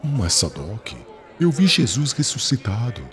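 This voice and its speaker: An actor playing a fervent, unwavering young Jewish convert in an audiobook drama, speaking in a solemn, declamatory manner. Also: male voice, medium pitch, sing-song, a little slow, a bit bright, a faint crowd. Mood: insistent.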